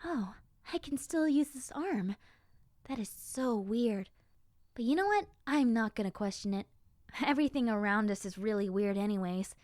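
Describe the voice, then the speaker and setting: Woman doing a chatty lil zombie girl, friendly n lonely, kinda high girly voice, audio rp talking right to you. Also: expressive, normal speed, darkish tone, dry recording, clean studio sound, lightly acted. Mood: wistful, friendly. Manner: casual, chatty, conversational, girlish. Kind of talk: scripted audio roleplay, speaking to the listener.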